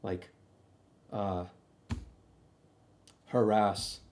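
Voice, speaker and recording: A man's voice: on the low side, fairly even intonation, very slow, very noisy. A young man telling a casual, slangy stream story, often doubling back and repeating himself as he comments on old videos.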